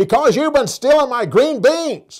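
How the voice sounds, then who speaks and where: This is a put-on character voice pitched high. It moves along at a moderate pace. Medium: read story.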